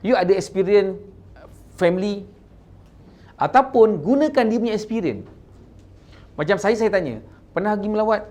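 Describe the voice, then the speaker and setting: A man's voice: sits high, unhurried, long pauses. A man with a Malaysian accent coaching insurance agents, mixing English terms into his talk and often checking in with "kan?". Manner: mixes English into Malay, asks "kan?" often, lively stresses. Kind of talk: sales training talk.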